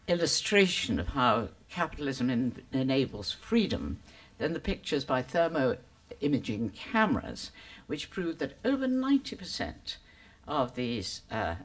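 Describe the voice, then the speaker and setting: Deep-voiced older woman, sardonic. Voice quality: deep smoky voice. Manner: witty, sardonic, theatrical. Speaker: panelist. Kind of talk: public debate speech. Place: conference hall.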